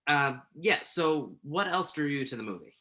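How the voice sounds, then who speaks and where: A man playing a conflicted journalist in a staged play reading, speaking naturalistically and haltingly. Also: a little high, sing-song, bright, forceful tone. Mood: awkward, guarded. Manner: hesitant, halting. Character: Tuck, conflicted entertainment journalist man hiding his identity.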